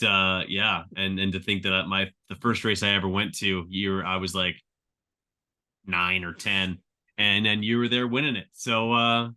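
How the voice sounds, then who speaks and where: A man's voice: lowish voice, sharp tone. A man in his thirties hosting a casual interview, asking loose questions with lots of "like" and "uh" and eager reactions. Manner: enthusiastic, filler-heavy questions. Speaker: podcast host.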